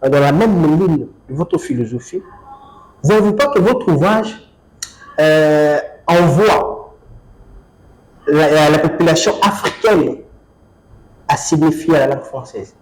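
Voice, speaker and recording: A man's voice: fairly high pitch, expressive, a little slow, pauses often, rough recording. A male interviewer who asks long, winding questions, with restarts and fillers.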